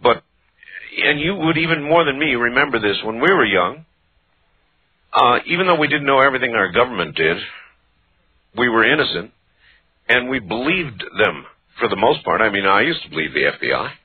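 Man in his fifties, call-in radio host, earnest and conversational, husky, dry narrowband sound. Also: mid-range voice, sing-song, normal speed, long pauses, no echo. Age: 50s. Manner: earnest, conversational, asks short questions. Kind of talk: late-night call-in talk radio.

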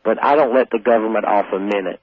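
A man in his forties from South Carolina, a radio guest talking in a calm, earnest, long-winded way. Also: on the low side, fast, breathy edge, no echo. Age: 40s. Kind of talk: call-in radio conversation. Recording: tinny phone line.

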